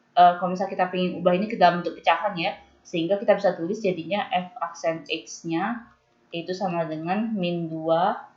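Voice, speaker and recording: Young female math tutor, patient step-by-step explainer, low-ish voice, echoey lo-fi room sound. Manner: patient, slows down when reading formulas. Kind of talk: explaining a calculus problem step by step.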